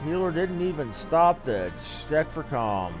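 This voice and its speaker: A man's voice: fairly high pitch, big pitch swings, measured pace. A man giving casual, folksy live commentary as he streams a game, swearing now and then. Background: video game music.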